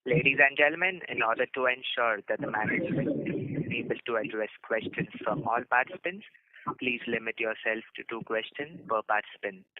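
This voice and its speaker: A man's voice: mid-range voice, a little fast. Male call operator on noisy phone line. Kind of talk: scripted, formal call announcements.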